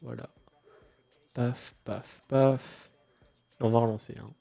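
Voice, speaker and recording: A man's voice: medium pitch, takes it slowly, gravelly. A man streaming a game live, chatting casually while he plays, stuffy from a cold. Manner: relaxed, mumbling asides, frequent fillers. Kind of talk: casual live gameplay chat.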